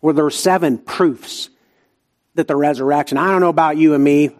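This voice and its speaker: A man's voice: fairly high pitch, brisk, a little mellow. A man with an Appalachian, Southern US hillbilly accent preaching a sermon in emphatic short phrases, repeating himself and asking rhetorical questions.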